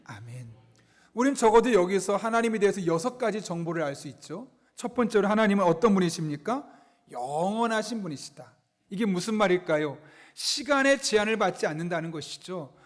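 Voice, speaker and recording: A male pastor with a very high voice delivers a Sunday sermon in a church sanctuary, talking fast and expressively. He repeatedly asks the congregation rhetorical questions and leads them in reading scripture in unison.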